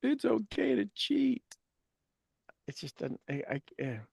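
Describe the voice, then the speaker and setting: Guy in his 50s giving a pep talk, kinda high voice, dry close sound, hammers the same lines over and over. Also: sing-song, a little slow, creaky, a little mellow, slightly rough, dry recording. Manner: emphatic, repeats key phrases. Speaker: podcast host. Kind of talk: motivational casual talk.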